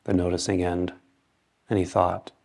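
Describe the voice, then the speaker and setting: A man leading a guided meditation, speaking calmly in short phrases with long pauses. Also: low-pitched, vocal fry.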